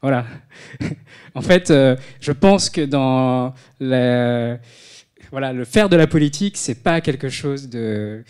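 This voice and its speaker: A man's voice: mid-range voice, lively intonation, a little mellow, clean tone. A man who holds local elected office, giving a personal testimony at a conference panel with frequent hesitations and fillers. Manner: halting, many fillers. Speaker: elected substitute deputy on a panel. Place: conference room.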